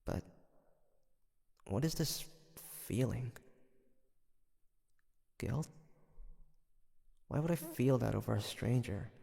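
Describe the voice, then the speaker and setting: Male actor as brooding demon hunter, guarded, hesitant, raspy, unhurried, audio roleplay, reverberant hall sound. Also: medium pitch, animated, mellow, exaggerated voice. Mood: conflicted, musing. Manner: hesitant, halting, sighing soliloquy. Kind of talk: intimate audio roleplay drama.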